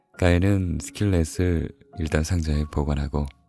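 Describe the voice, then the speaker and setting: Over music in the background, a man with a very deep, low pitch speaks at a fairly slow pace in a calm, soothing tone. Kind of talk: audiobook reading for sleep. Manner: soft, calm, soothing.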